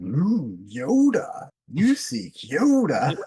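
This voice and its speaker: A put-on character voice is pitched in the middle range. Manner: imitation, self-admittedly imperfect.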